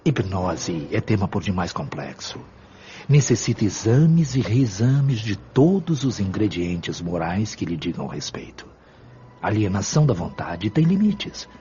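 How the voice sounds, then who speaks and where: Man acting a deep-voiced, calm spirit mentor. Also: a little hiss or hum. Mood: calm, instructive. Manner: measured, didactic, formal diction. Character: calm wise male spirit mentor, patient and firm. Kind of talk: audio drama dialogue. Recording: dull lo-fi audio.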